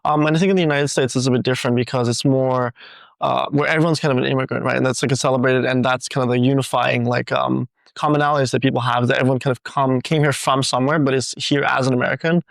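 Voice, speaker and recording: A young man from the Netherlands, a student guest in a casual interview, talking quickly with many fillers. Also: medium pitch, fairly even intonation, gravelly, dry recording, clean studio sound. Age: young adult.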